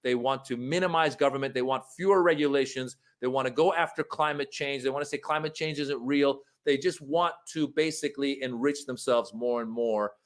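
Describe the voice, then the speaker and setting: Earnest man giving political commentary. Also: mid-range voice. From Iran. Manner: earnest, argumentative, pauses with uh and um.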